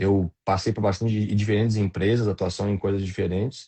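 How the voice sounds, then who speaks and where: A man's fairly low voice keeps to fairly even intonation. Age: 40s. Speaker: tech and management consultant. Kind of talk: interview conversation. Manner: halting, many fillers.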